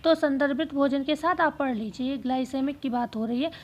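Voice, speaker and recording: A woman teacher going through exam questions, speaking slowly and repeating key phrases so students can write them down. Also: high-pitched, fairly even intonation. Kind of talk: exam-prep lesson.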